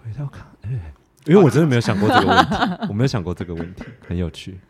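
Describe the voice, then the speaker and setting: Deep-voiced, fast, lively Taiwanese man. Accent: Taiwanese Mandarin. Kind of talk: casual podcast chat about theatre work.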